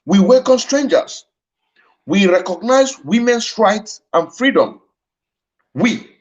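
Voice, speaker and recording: A man's voice: high voice, lively intonation, slow pace. A man with a Nigerian Igbo accent giving an impassioned lecture, repeating his phrases for emphasis. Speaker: speaker at a livestreamed address. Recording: dull lo-fi stream audio.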